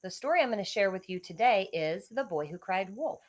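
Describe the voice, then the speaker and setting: Female schoolteacher storyteller, lively melodic range, expressive read-aloud delivery aimed at young kids. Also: medium pitch, a little fast. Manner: expressive, clearly addressing children. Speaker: elementary school teacher reading to pupils.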